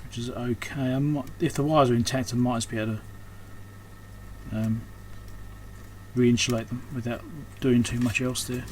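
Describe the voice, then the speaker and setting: Male repairer, medium pitch, casual hands-on commentary, unscripted and trailing off, audible background noise. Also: little pitch movement, normal speed, long pauses, a little mellow. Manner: unscripted, thinking aloud, trailing off mid-thought. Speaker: electronics repairer and video host. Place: indoors at a repair workbench. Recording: clear background noise, room ambience.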